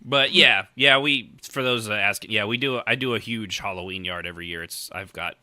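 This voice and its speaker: An American man hosts a casual podcast in a fairly low voice with a very sharp, forceful edge. He jokes wryly and swears offhandedly. The sound is dry and free of room echo. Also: moderate pace. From United States. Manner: wry, joking, swears casually. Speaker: podcast host. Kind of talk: casual comedic podcast chat.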